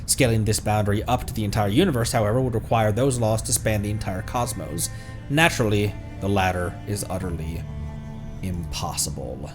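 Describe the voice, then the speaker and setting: A man who streams games, reading aloud and commenting in a theatrical, deliberate way. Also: on the low side, music in the background. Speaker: game streamer, VTuber.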